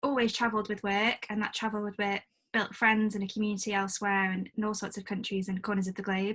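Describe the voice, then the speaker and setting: With a northern English accent, a woman speaks in a bright, sharp tone at a fairly high pitch. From northern England, Manchester. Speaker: marketing professional with portfolio career. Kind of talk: interview.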